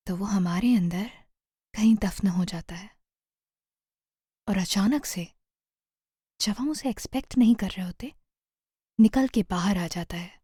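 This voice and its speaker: A woman leads a guided meditation at a very unhurried pace. Her voice is soft and mellow, with a breathy edge that often fades toward a whisper. She speaks soothingly and gently. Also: medium pitch, no echo, studio quality. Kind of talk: slow guided meditation narration.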